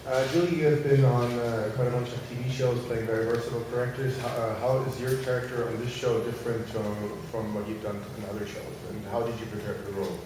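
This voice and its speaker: A man's voice: medium pitch, little pitch movement, fast talker, few pauses. A man moderating a panel, asking questions with some hesitant fillers. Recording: echoey hall from far off with noise.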